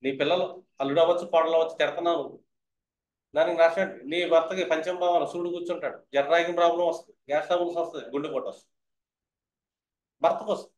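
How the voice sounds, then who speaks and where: A man's voice: a little high, fairly even intonation, rapid-fire, reverberant, lo-fi sound. A man teaching astrology in a lecture style, who keeps asking his listeners whether they have understood.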